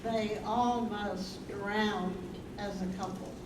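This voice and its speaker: Woman as measured narrator, very noisy echoey room. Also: mid-range voice, steady tone, distant mic, lightly acted. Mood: narrating. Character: measured storytelling narrator of a couple's life. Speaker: narrator in a play. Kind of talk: staged play reading. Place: live staged reading in a room.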